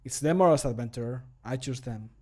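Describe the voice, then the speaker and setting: A man voicing a grave, stoic fantasy adventurer in measured, solemn game voice lines. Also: mid-range voice, darkish tone, natural voice. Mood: resolute.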